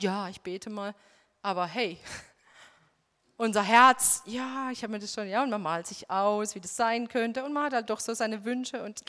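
A woman preaching and giving a personal testimony, earnest and emphatic with many fillers. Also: medium pitch. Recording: long hall reverb.

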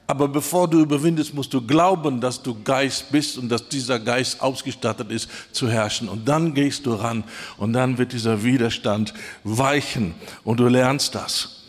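A man's voice: medium pitch, fairly even intonation, moderate pace, in a large hall. A male pastor preaching a sermon emphatically, repeating key phrases and often interjecting exclamations of praise.

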